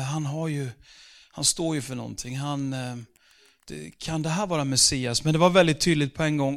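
Man preaching a casual sermon. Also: a little high. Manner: conversational preaching with fillers, slows for scripture, bursts louder for emphasis. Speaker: pastor. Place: church.

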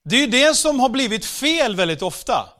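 A man giving a conversational church sermon, slowing down for scripture and sometimes raising his voice for emphasis. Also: very high voice, very animated. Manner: conversational preaching with fillers, slows for scripture, bursts louder for emphasis. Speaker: pastor.

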